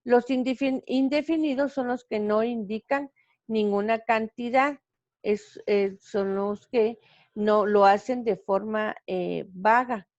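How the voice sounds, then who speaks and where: A woman teacher giving a recorded grammar lesson over slides, speaking haltingly with many fillers and self-corrections. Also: a little high, darkish tone, no echo. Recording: dull, lo-fi sound.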